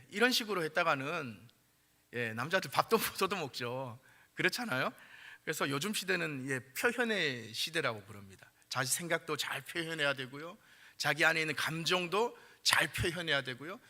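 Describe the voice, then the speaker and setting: A middle-aged man preaching a sermon in a chatty style with many fillers, growing louder and higher when he stresses a point. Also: very animated, moderate pace, long reverb tail. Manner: conversational, frequent fillers, rises in pitch and volume when emphasizing. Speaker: pastor.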